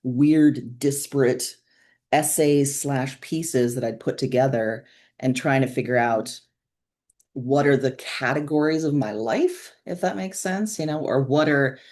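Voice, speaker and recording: Woman, low voice, interviewed writer, candid, reflective, informal conversation. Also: measured pace, a little mellow. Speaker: interviewed author.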